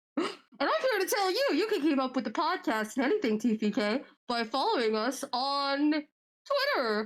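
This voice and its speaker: Using a put-on character voice, a woman talks at a fairly slow pace with high pitch. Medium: actual play. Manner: bubbly, chatty.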